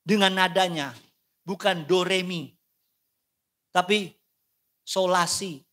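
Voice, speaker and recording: Male pastor, lively playful sermon delivery with a bright, forward tone. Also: high-pitched, takes it slowly. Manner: animated, playful, questioning the congregation.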